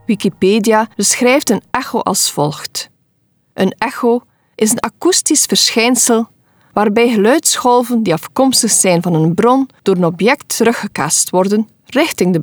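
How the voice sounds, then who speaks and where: A woman's voice: a little high, no room sound. A woman hosting a short Christian devotional podcast, speaking earnestly and encouragingly as a wife and mother. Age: adult. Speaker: podcast host giving devotionals.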